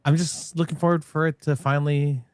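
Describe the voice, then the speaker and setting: A man's voice: fairly high pitch, level tone, fairly quick, a little mellow, smooth. A man hosting a casual gaming discussion in an informal, exclamatory way. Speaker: podcast host.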